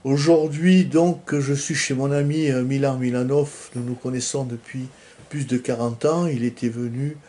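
A man hosting a video lecture, introducing his guest in a hesitant way with many pauses and fillers. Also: mid-range voice, steady tone, dark tone. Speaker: host.

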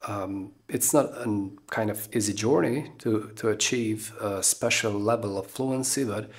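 A man in his forties from the Eastern Balkans with an Albanian accent, giving an English lesson straight to camera. He talks haltingly, with many ums and uhs, and keeps checking in with "okay?". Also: on the low side. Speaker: English teacher. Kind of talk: talking-head lesson to camera. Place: small room indoors. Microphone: camera close up at face level.

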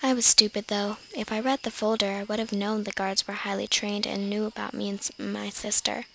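A woman's voice: mid-range voice, little pitch movement, brisk, gravelly, sharp tone. A woman playing young assassin sisters in an amateur audition reading, on a noisy home recording. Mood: regretful, casual.

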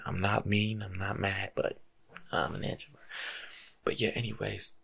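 Gravelly, breathy young American man. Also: fairly low pitch, moderate pace. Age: young adult. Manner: slangy, playful, animated, rambling. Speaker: ASMR video creator. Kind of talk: rambling ASMR life-advice talk. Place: small indoor room at home.

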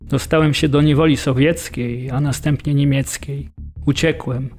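A man's voice: mid-range voice, steady tone, normal speed, darkish tone, natural voice. An actor playing a Polish soldier who tells of his war in a terse, factual manner for a documentary radio drama. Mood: terse recollection. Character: Polish soldier recalling captivity and escape.

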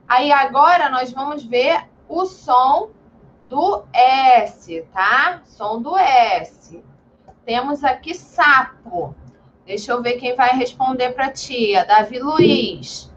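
A woman's voice: sits high, lively intonation, fairly bright tone, a little hiss or hum. A woman teaching an online class to young children, patient and encouraging, with lo-fi video call audio. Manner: patient, slow and encouraging, calls herself "tia". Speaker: primary school teacher.

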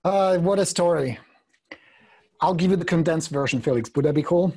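A man's voice: on the high side, moderate pace, darkish tone, husky. A man in his fifties with a Czech accent, a guest coach telling his story bluntly and jokingly, with some swearing, into a desk microphone in an indoor studio. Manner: blunt, profane, joking, gestures a lot. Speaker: guest real estate coach. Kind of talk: candid storytelling in a video interview. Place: indoor studio room with brick wall. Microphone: desk condenser microphone.

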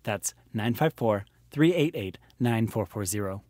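A man's voice: fairly low pitch, expressive, measured pace, darkish tone, no echo. Man announcer, dry studio sound. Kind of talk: scripted promo announcement.

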